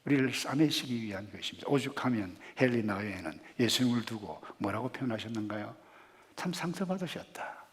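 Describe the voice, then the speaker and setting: Brisk and with few pauses, a male pastor with a fairly low-pitched voice preaches a sermon. He sinks into hushed murmurs and climbs to loud rhetorical questions, also guiding the congregation through scripture read aloud.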